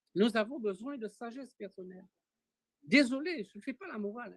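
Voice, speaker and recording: The speech moves at a moderate pace with ordinary pitch variation. The sound is dry and close, with no echo. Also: man. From Congo. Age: 60s. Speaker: cultural speaker. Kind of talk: moral exhortation.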